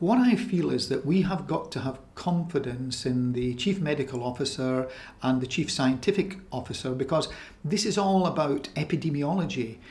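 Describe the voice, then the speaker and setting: A man speaks at a moderate pace in a fairly high pitch. His voice is somewhat breathy, with lively intonation. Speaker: doctor. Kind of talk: interview answer.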